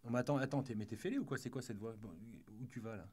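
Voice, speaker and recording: An actor playing a blunt, irritated, quarrelsome boyfriend in a comic domestic argument. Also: male voice, mid-range voice, rapid-fire, a little mellow, breathy edge, close to an everyday voice. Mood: exasperated.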